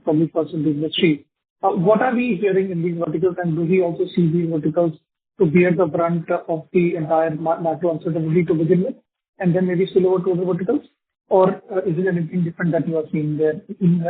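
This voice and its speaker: Male analyst, fairly high husky voice, posing questions down a phone line. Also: steady tone, fast. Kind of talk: earnings call questioning. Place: phone call.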